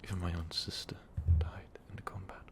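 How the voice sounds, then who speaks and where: An ancient male vampire overlord, acted by a man, brooding and tormented in an intimate ASMR roleplay. His voice is very low and creaky, mostly sunk into a breathy whisper. He speaks slowly and wearily, with halting pauses. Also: flat delivery. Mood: somber, reminiscing.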